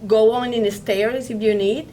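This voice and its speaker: A woman's voice: on the high side, fairly even intonation, warm tone, a little hiss or hum. A woman from Venezuela who speaks Spanish as her first language talks about her work as a film producer in a casual interview, stopping and restarting often. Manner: halting English with many restarts and repeated words. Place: studio.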